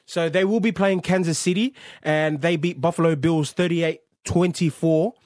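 A man's voice: on the high side, steady tone, normal speed, a little mellow, no room sound, clean studio sound. A man co-hosting casual sports radio banter, joking and laughing readily. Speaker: co-host.

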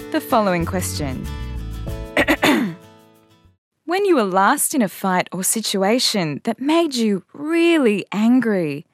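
A woman reading a formal, official-sounding announcement on a children's podcast. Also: mid-range voice.

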